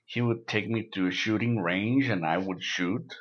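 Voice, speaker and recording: A man from Mexico whose first language is Spanish, speaking English in a halting, measured way in a casual conversation. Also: lowish voice, husky, lo-fi sound. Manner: measured, halting recollection with restarts.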